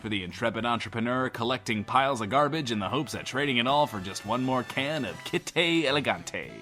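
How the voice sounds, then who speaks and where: An actor playing a swaggering but insecure host of a post-apocalyptic bunker radio show, talking in a pompous, wordy, theatrical way. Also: male voice, mid-range voice, expressive, a little fast, sharp tone, faint music behind. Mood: pompous, showy. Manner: pompous, wordy, theatrical, talks of himself in third person. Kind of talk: in-world radio show monologue, audio drama.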